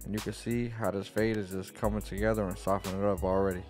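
A young man, a barber, giving a laid-back tutorial voice-over from a small dim room at home, speaking into a boom-arm studio mic. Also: flat delivery, fast, a little mellow. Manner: laid-back, plain instructional talk. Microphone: studio microphone on boom arm. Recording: faint guitar music underneath. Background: faint guitar music.

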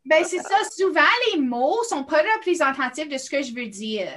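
A woman with a Franco-Ontarian accent hosts a casual video-call discussion, often murmuring soft agreement. Her voice sits a bit higher than average. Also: lively intonation, normal speed. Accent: Franco-Ontarian French. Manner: frequent soft backchannel agreement. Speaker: host.

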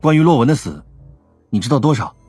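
Casting: male actor for a laconic, cool cop in a radio play, rough-edged voice, music bed. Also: mid-range voice, very animated, fast, darkish tone, no echo. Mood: serious. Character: cool, terse male police detective. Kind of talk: audio drama dialogue.

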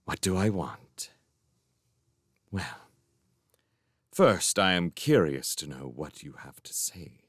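Man acting a rich vindictive magician, pompous, slow, swooping intonation, storybook villain. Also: lowish voice, very animated, no echo, clean studio sound, pitched above the performer's own voice. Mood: calm menace. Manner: terrifyingly soft speech that swells into indignation. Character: menacing, pompous gentleman magician, wealthy and vindictive. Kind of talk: dramatic audiobook character reading.

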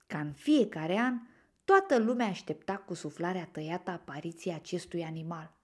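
A woman narrating a children's storybook aloud, expressive and gentle. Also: fairly low pitch.

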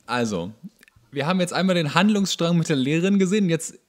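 A man's voice: on the high side, animated, quick pace. A young man hosting a podcast, commenting casually on a TV show in a dry, sarcastic, colloquial way. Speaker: podcast host.

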